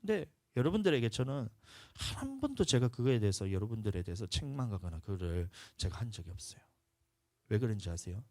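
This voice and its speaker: A male pastor preaching a sermon, telling a personal story with emotion, moving between hushed confession and loud, urgent pleading. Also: fairly low pitch, big pitch swings, fairly quick, dry recording. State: tired from lack of sleep. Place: church sanctuary.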